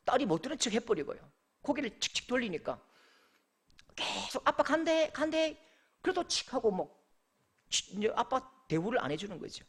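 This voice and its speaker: A man's voice: very high voice, husky. A middle-aged man, a pastor, preaching a sermon and telling stories, acting out the voices of the people in them. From Korea. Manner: animated storytelling, acts out voices of the people in his stories.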